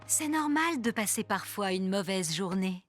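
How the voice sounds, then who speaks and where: A woman's voice: mid-range voice, animated, a little slow, lightly acted. Woman as comforting cartoon aunt over music. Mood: reassuring. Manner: soothing, encouraging. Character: reassuring, kindly aunt who comforts with songs. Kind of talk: musical children's cartoon dub. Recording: music under the voice.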